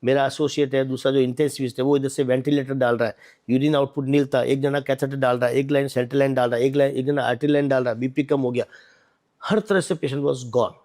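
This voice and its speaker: A male doctor telling a story in an interview, animated and acting out the dialogue, with English words mixed into his speech. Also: medium pitch, quick pace.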